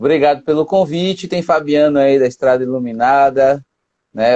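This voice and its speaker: Talking at a moderate pace, a man has an unremarkable speaking voice at a medium pitch with ordinary pitch variation. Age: 40s. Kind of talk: testimony. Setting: Instagram live video call.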